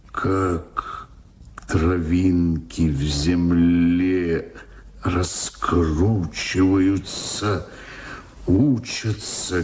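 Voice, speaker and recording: An actor playing an excitable, wonderstruck folk-tale storyteller, reciting verse in a drawn-out, expressive radio-drama style on a noisy old recording. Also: male voice, sits low. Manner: expressive, drawn-out, folksy declamation.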